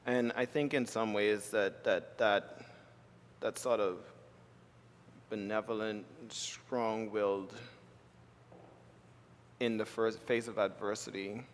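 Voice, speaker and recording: A man's voice: on the low side, fairly even intonation, a little hiss or hum. A man from the Bahamas, an artist giving a keynote talk, speaking thoughtfully and restarting his phrases often in a live conversation. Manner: thoughtful, halting with repeated restarts. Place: lecture hall with audience. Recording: reverberant hall.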